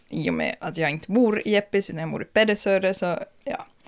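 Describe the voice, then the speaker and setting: Here is a plain, everyday voice from a woman. Her pitch is medium, with ordinary pitch variation. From Finland, Ostrobothnia (Jakobstad). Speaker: podcast co-host. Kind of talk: casual chat.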